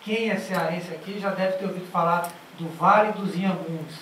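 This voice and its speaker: A man giving a formal speech from a conference panel, halting at times with restarts, into a handheld mic. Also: high voice, fairly even intonation, a bit bright. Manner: halting, with restarts and filler sounds. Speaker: panel speaker. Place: large conference auditorium. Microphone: handheld mic, seated at a panel table. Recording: echoey hall from far off, faint noise.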